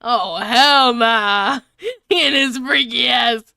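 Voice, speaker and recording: A woman with a high, bright voice reads a story aloud in a casual livestream manner. She takes her time, often cracking up and tossing in crude asides, with a crisp, clean delivery. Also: slow pace, dry recording, studio quality. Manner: giggly, often breaking up while reading; crude, swearing banter. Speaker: stream co-host reading fan fiction aloud.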